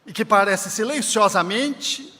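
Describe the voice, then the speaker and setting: A man's voice: high voice, measured pace, sharp tone, in a large hall. A man giving an emphatic spiritist lecture at an event, in a preacherly way that quotes scripture. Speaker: spiritist speaker. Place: large event hall.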